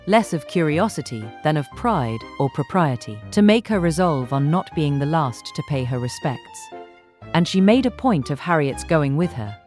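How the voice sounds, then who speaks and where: A woman narrating a classic novel audiobook in a measured, articulate, literary style. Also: sits low, darkish tone.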